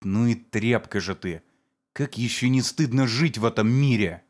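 A man voicing a vengeful man who sneers at and shouts accusations against his brother-in-law. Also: mid-range voice, moderate pace, natural voice. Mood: furious.

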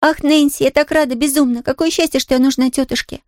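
A woman voicing an earnest young orphan girl in an audiobook, speaking with bright, emphatic sincerity. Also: a little high, fast talker, no room sound, clean studio sound, voice pushed up, close to an everyday voice. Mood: overjoyed. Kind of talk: audiobook character reading.

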